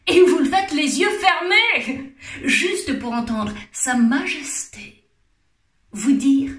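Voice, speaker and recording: A woman's voice: high-pitched, animated, slow pace, fairly bright tone. A woman with a French accent doing a playful, theatrical comic monologue, teasing and laughing often. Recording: roomy echo.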